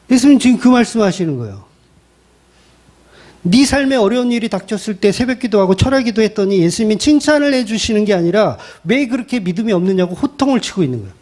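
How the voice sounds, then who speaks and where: Animated Korean pastor preaching, lively pitch. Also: male voice. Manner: animated, colloquial preaching, acting out quoted lines. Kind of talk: sermon.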